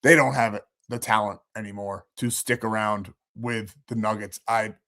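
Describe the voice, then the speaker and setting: A man's voice: fairly low pitch, fairly even intonation, normal speed, fairly bright tone. A man hosting a sports betting channel, talking through his picks in a rambling, confident way while sick and losing his voice. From New York. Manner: rambling, confident, self-correcting. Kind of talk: casual betting picks talk.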